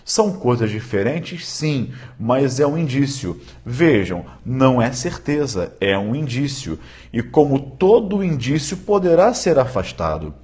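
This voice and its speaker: A man giving a live-streamed law lecture, often checking in with viewers and repeating key points slowly for emphasis. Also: mid-range voice, very animated, darkish tone. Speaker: law teacher.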